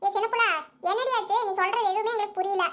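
A woman's voice: extremely high pitch, steady tone, fast, a bit bright. A woman voicing chatty village women in a cartoon, fussing, gossiping and scolding. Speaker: cartoon character.

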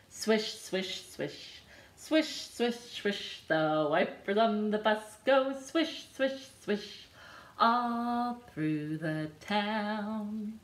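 Woman librarian, very slow sing-song, bouncy sound effects, echoey living room. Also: medium pitch, a bit bright. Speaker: children's librarian. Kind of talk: singing a picture book for babies. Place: living room with a couch and a decorated wall.

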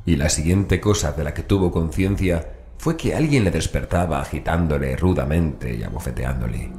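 A man narrating a horror audiobook in a measured, dramatic way with deliberate pauses. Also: very deep voice, animated, warm tone, soft background music. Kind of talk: scripted horror story narration. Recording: roomy echo, faint background noise.

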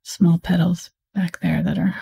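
A woman teaching a live painting tutorial, talking mostly in a soft whisper as she paints. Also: on the low side, little pitch movement, a little slow, vocal fry, husky. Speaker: painting instructor.

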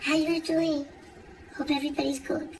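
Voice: sits high, level tone, moderate pace, creaky, loud music behind the voice. A performer voicing a boastful, dramatic Latina woman who mixes Spanish words into English and keeps laughing. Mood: chatty. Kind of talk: comic character monologue.

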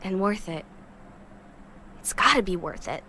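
A woman's voice: mid-range voice, animated, unhurried, pushed and bright, a little hiss or hum. An actress playing a guarded, sarcastic young woman who scavenges parts, talking bluntly in an audio drama. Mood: reflective. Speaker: parts sourcer.

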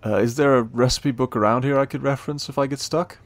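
A man acting a friendly, playful, eager young cafe helper in a romance audio roleplay, teasing and warm in a conversational way. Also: medium pitch, fairly even intonation, fast talker, dry recording, lightly acted. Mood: warm, earnest.

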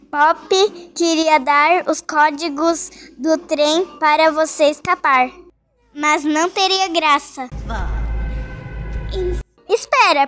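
A woman voicing a menacing, playful giant toy monster in a horror game fan dub, theatrical and drawn-out, with a Brazilian accent. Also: very high-pitched, a bit bright, full character voice. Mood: playful menace.

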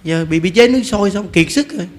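A man with a Southern Vietnamese accent giving a humorous Buddhist sermon, telling a story with lively repetition and frequent laughter. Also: sits high, fast talker. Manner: animated storytelling, repeats words, laughs often. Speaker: Buddhist preacher. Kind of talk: humorous dharma talk.

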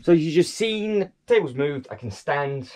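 A man's voice: fairly high pitch, expressive, measured pace, darkish tone, faint music behind. A man chatting casually while painting and tidying his hobby room, repeating himself and joking at his own expense. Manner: chatty, self-deprecating, lots of fillers and repeats. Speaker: vlogger. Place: indoor hobby room at home.

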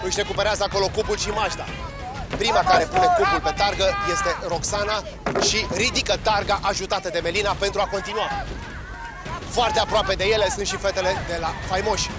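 A man giving live play-by-play commentary on a competition, calling each move quickly. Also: sits high, a loud crowd. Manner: rapid, excited calls. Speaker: sports commentator.

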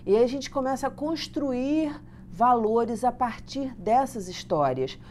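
A woman conducting a studio interview, answering her guest with warm, affirming remarks and asking him to say more. Faint room noise sits behind her voice. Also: fairly high pitch, animated, takes it slowly. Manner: warm, affirming, asks follow-up questions.

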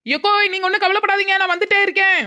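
A woman voicing a bold, scheming village girl in a cartoon dub, loud and bossy. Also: very high-pitched, little pitch movement, rapid-fire. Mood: bossy, cheerful.

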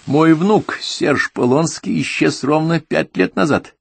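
A man voicing a stern, stubborn old émigré woman who speaks with a French accent and a creaky voice. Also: on the high side, takes it slowly, no echo, pitched above the performer's own voice, full character voice. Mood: insistent. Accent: French accent in Russian.

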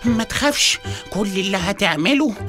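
A woman's voice: medium pitch, expressive, brisk, natural voice. A woman voicing Seif, a baby boy who grumbles like a weary grown-up in a comic children's radio play, with an Egyptian accent. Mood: grumbling. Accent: Egyptian Arabic. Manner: world-weary, grumbling adult talk from a baby. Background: background music.

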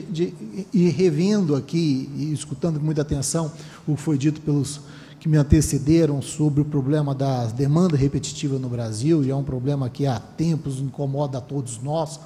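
A man in his thirties from Brazil giving a formal seminar speech at a panel table, measured, with frequent restarts. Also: fairly high pitch, mellow. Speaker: panel speaker, council member. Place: conference room with panel table. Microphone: table microphone. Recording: long hall reverb, faint room noise.

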